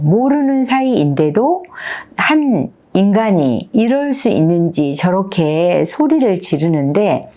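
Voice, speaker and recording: A woman in her fifties, a teacher, talks through a picture book and keeps asking her listeners questions. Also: fairly low pitch. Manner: animated storytelling, asks the audience questions. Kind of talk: picture-book talk to an audience.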